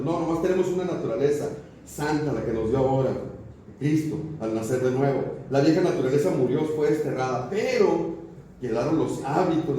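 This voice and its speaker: A man's voice: a little high, warm tone, a little hiss or hum. Man preaching in an echoey church. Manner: conversational preaching with everyday examples and frequent check-in questions. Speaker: pastor. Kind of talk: sermon. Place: church sanctuary. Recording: roomy distant church recording.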